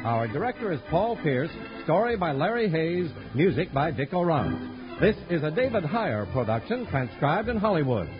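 Male old-time radio announcer, high and sweeping delivery, emphatic sponsor pitch on a vintage recording. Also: sing-song, moderate pace, highs cut off. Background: music.

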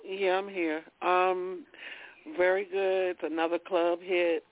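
A caller on a radio show giving a short, hesitant opinion with fillers. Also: female voice, fairly low pitch, level tone, slow pace, no room sound, narrow, tinny audio. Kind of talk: casual call-in chat.

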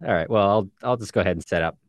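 Low-voiced man, close and dry. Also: rapid-fire, dry recording. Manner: discursive, explanatory, with many asides. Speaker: podcast co-host. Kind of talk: casual book discussion with quoted readings. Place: recording booth.

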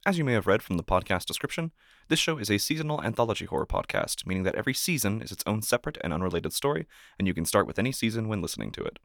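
A man reading a scripted podcast introduction and narration in a measured, formal way as host. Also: on the low side, big pitch swings, creaky, fairly bright tone, no room sound, clean studio sound.

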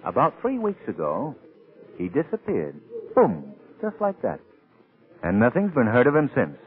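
A confident gentleman detective in an old radio mystery. His delivery is urbane and wry, with lively rises and falls. The sound is tinny, with faint music. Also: medium pitch. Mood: wry, scheming. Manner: urbane, deliberate, drily ironic. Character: suave, wry, confident gentleman amateur sleuth. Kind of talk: old-time radio drama acting.

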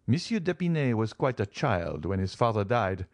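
A man reading an audiobook, voicing a formal, composed father who answers in a measured, placating way. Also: on the low side, big pitch swings, dry recording, muffled recording.

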